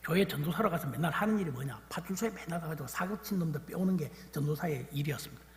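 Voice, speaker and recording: A man in his sixties preaching a sermon as pastor, moving between loud exhortation and quiet storytelling. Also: on the high side, rapid-fire. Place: church sanctuary. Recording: echoey church hall with long reverb.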